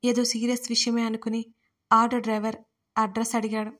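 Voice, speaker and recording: A woman narrates a serialized audio story with a steady, measured reading. Her voice sits fairly high and stays level, with little rise and fall.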